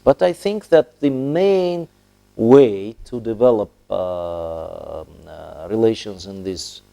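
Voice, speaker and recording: Halting Russian-accented man in dark, mellow voice. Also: on the low side, gravelly. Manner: halting, deliberate, diplomatic wording with long hesitations. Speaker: ambassador, interview guest. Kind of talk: formal broadcast interview.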